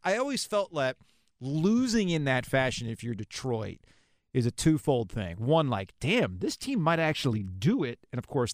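A man hosting a sports podcast, talking casually and giving his own opinions in an animated, storytelling way. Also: medium pitch, dry recording, clean studio sound. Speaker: podcast host interviewing a guest. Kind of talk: casual sports talk interview.

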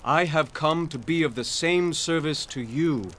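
Formal, self-assured Native American envoy. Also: male voice, on the high side, measured pace, fairly bright tone. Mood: formal, respectful. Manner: formal, deferential yet pointed. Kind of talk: radio drama acting. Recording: radio play with music underneath.

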